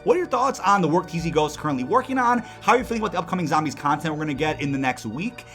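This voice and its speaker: Higher-pitched man doing gaming commentary. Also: animated, rapid-fire, fairly bright tone. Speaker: gaming content creator. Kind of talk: casual video commentary to viewers. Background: music.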